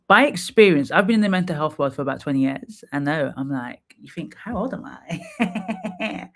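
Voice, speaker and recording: A woman, hosting a live stream in a casual, chatty way, full of fillers and restarts and quick to laugh. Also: low-pitched. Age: 30s. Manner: chatty, laughs easily, lots of fillers and repeats. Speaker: livestream host and psychotherapist. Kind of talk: casual livestream chat.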